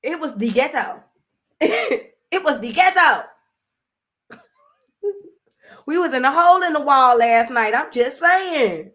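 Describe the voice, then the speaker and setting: A woman's voice: sits high, slow pace, long pauses. A young woman with a Southern US accent, hosting a casual live stream, reading viewer comments, laughing often and drawing out words. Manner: animated, laughs often, drawls and drags words.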